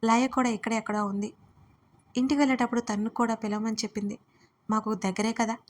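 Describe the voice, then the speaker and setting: An eager, easygoing young woman friend in a storybook audio drama, read by a woman, coaxing her pal along. Her voice sits fairly high and casual. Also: flat delivery, brisk, natural voice.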